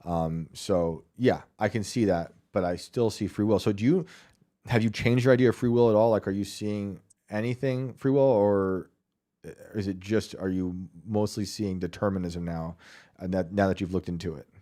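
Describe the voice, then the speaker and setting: A man's voice: on the low side, steady tone, normal speed, warm tone. A man hosting a call-in podcast, chatting casually, thinking aloud with fillers and frequent laughs. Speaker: podcast host. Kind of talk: casual call-in show chat.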